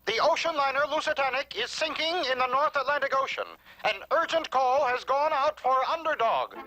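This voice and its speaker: A man's voice: very high voice, lively intonation, fairly quick, pushed and bright, pitched above the performer's own voice, heavily acted. Fields: a man doing a radio newsman, urgent bulletin breaking in. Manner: urgent, clipped newsreader delivery. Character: male radio announcer breaking in with a news bulletin. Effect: distant broadcast bulletin interrupting a program. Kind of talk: 1960s cartoon voice acting.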